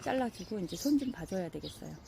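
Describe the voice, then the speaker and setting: A middle-aged woman chatting casually as she walks through her outdoor flower garden, admiring the plants with many soft fillers. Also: mid-range voice, animated, quick pace, vocal fry, music in the background. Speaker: gardening vlogger.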